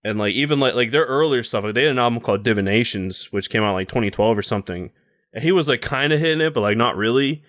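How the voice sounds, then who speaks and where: A man's voice: mid-range voice, fast talker, fairly bright tone. Blunt, casual young man. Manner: blunt, heavy use of "like", swears freely. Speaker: podcast co-host. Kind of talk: casual chat, opinionated music review.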